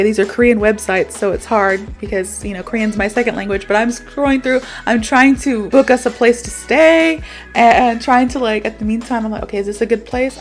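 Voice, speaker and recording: Chatty, animated American woman teacher. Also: fairly high pitch. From United States. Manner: chatty, animated, lots of quoted dialogue. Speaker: English teacher. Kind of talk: casual storytelling lesson.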